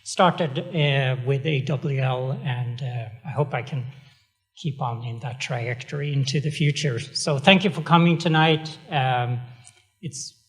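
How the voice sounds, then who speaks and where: A man's voice: mid-range voice, unhurried. A middle-aged man from Sweden with a Swedish accent, an executive director giving a chatty, self-deprecating speech with many fillers. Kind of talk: speech at an event.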